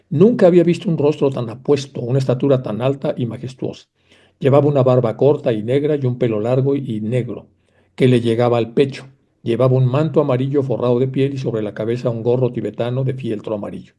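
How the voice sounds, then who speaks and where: A man's voice: mid-range voice, vocal fry, dark tone. A man lecturing on theosophy, reading passages aloud and then commenting on them in a conversational way, talking directly to his listeners. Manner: addresses listeners directly, with fillers. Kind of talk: reading aloud and explaining texts to a class.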